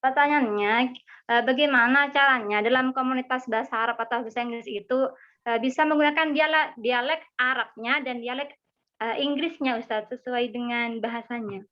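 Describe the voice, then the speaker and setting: A woman's voice: fairly high pitch, fairly quick, lo-fi sound. A young woman with a Madurese accent, a student politely asking a rambling, hesitant question in an online class.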